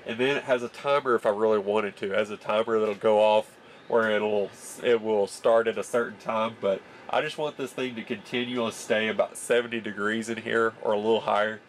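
A man's voice: lowish voice, steady tone, a little fast, a little hiss or hum. A young man in his twenties with a stuffy, nasal voice from a cold, chatting enthusiastically as he explains gardening gear in a small greenhouse, recorded on a camera mic. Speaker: gardening channel host. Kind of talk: casual how-to vlog. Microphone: camera mic at close range.

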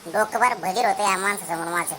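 A woman playing a sharp-tongued, scolding village grandmother in a comedy cartoon. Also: mid-range voice, a little fast, slight background noise, natural voice. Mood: exasperated. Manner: scolding, insulting, rustic. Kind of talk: Marathi comedy cartoon dialogue.

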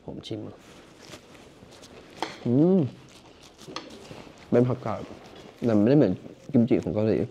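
A man's voice: on the low side, slow pace, long pauses, dark tone, highs cut off. Chatty Thai man vlogging on a noisy street. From Thailand. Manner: chatty, laughs often, exclaims at the sights. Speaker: travel vlogger. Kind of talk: casual travel vlog to camera. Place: small roadside noodle shop and a road through the mountains.

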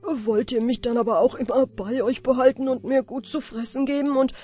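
Woman voicing a slow, kindly white horse. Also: high voice, steady tone, warm tone, husky, pitched above the performer's own voice. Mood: calm. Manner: slow, measured speech. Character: kind, steady old white horse, male. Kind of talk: storybook reading.

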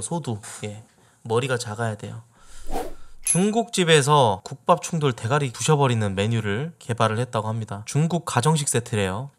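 A young man from South Jeolla chatting casually as a host, reacting with quick exclamations and slang. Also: mid-range voice. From South Jeolla, Korea. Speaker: YouTube host.

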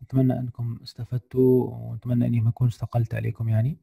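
A tired man giving a screen-share software lesson on a video call, hesitant with many fillers and English technical terms mixed in. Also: medium pitch, monotone, rapid-fire, creaky, no echo, studio quality. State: tired, slightly unwell voice. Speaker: guest lecturer.

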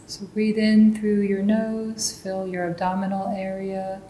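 A woman leading a guided meditation as a teacher, giving calm, gentle instructions. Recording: roomy echo, faint low rumbling noise.

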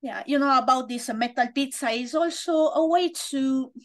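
A woman's voice: sits high, normal speed. Hesitant Italian-accented woman on a video call. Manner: hesitant, many fillers. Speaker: podcast host. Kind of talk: casual video-call interview. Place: home bedroom. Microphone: laptop webcam on video call.

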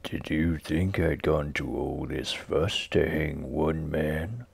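A man voicing a sly, coldly mocking hangman in a dramatic poem, with a slow, taunting, gravelly rasp. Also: rumbling low, pitched below the performer's own voice, full character voice. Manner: slow, drawn-out, taunting delivery. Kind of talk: dramatic poetry recitation.

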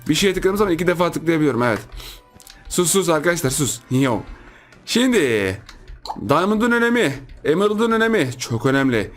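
A man's voice: on the high side, big pitch swings, moderate pace, soft background music. Playful man chatting over his gameplay. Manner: playful, teasing, chatty with viewers. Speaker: gaming YouTuber. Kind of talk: casual let's-play commentary.

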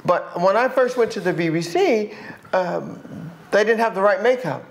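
Animated older American woman storyteller. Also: medium pitch, normal speed, gravelly. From USA. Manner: animated storyteller, frequent restarts and repeated words. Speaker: guest singer. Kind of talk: casual interview chat.

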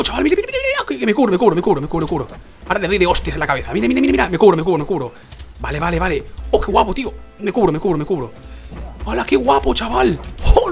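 A young man with a Spain Spanish accent, giving excitable gameplay commentary and repeating words in rapid bursts. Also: high-pitched. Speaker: gaming youtuber.

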